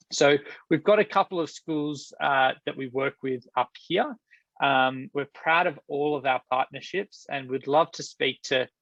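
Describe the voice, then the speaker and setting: A man with an Australian accent, fairly high in pitch, at a fairly slow pace with ordinary pitch variation, in dry, close sound without echo. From Australia (Wagga Wagga, NSW). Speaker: company CEO and co-founder. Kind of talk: webinar presentation.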